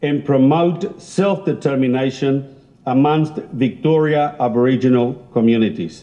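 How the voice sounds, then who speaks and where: Someone with a Spanish accent talks at a fairly slow pace over a quiet background. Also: man. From Uruguay. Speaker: state politician. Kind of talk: parliamentary farewell speech. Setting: parliament chamber. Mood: proud, reflective. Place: hall. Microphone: podium.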